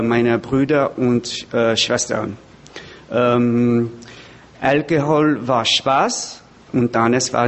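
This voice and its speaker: A man with an English-speaking accent in German gives a personal testimony to a group, searching for words in simple learner's German. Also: mid-range voice. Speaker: speaker at a recovery meeting. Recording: background noise, room ambience.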